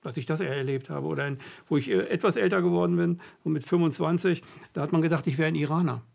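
A middle-aged interviewer from western Germany speaks in a fairly high, gravelly voice. He talks haltingly and thoughtfully, pausing to find his words as he tells his own stories. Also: a little mellow. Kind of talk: casual conversation.

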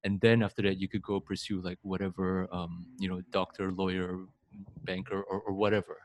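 A man's voice: low-pitched, little pitch movement, a little fast, a little hiss or hum. A man, a guest on a podcast, talking in a rambling way with many restarts. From Singapore. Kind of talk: casual interview.

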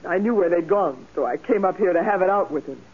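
A woman's voice: on the low side, animated, fast talker, slightly rough. An actress playing a desperate, jilted young woman who has killed, melodramatic and defiant with sobs close by, in 1940s radio crime drama style. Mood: tearful confession. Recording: muffled, phone-like 1940s radio recording.

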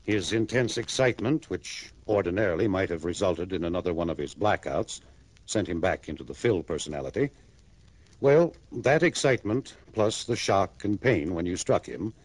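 An actor playing an older psychiatrist in a 1960s radio drama, explaining in a measured, fatherly way. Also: low-pitched, darkish tone, dry recording, poor audio. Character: calm, authoritative male psychiatrist, older. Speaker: doctor. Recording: dry vintage radio broadcast.

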